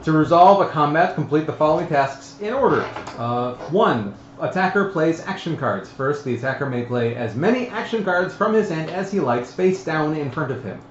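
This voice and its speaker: A man's voice: a little high, lively intonation, normal speed, few pauses. A man talking casually as he explains tabletop game rules step by step to the players, somewhat hesitantly. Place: echoey room at a group game table. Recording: roomy, muffled livestream audio with background noise.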